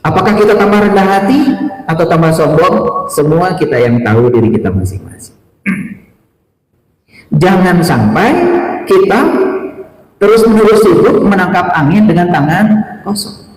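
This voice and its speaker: A middle-aged man giving a sermon lecture as an Islamic teacher, speaking in a deliberate, didactic way with rhetorical questions and repetition. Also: sits high. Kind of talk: sermon lecture to a live audience. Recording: echoey hall with long reverb.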